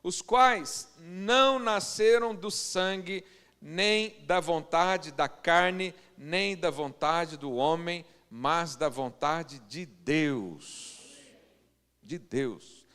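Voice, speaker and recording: A man from Goiânia with a Brazilian Portuguese accent, preaching a sermon as pastor and slowing into loud, emphatic scripture readings. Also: on the high side, clean tone. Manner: swells loud and slow on scripture quotes. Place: church hall. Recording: long church-hall reverb.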